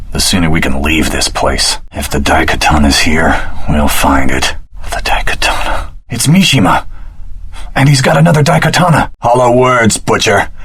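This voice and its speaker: Sardonic swordsman game hero, low-pitched, husky, dry, world-weary, casual. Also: a bit bright, exaggerated voice. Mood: tough, determined, then defiant, angry. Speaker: voice actor in a video game. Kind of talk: scripted video game voice acting.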